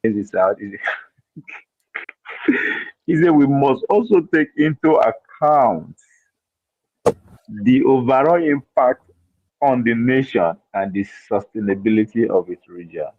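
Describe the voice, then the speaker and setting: A man's voice: mid-range voice, animated, takes it slowly, long pauses, no echo. A man giving emphatic political commentary, heard from a muffled played-back clip.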